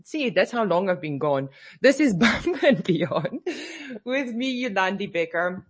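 A woman's voice: mid-range voice, sing-song, measured pace, breathy edge. Woman, radio host, slightly scratchy from a cold, sleepy, chatty. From South Africa. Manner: chatty, sleepy, laughs easily. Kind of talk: casual radio chat. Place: radio studio.

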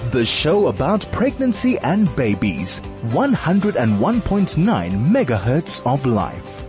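A man's voice: a little high, huge pitch swings, slow pace. A man voicing a radio station promo. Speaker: station announcer. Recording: promo voice over music.

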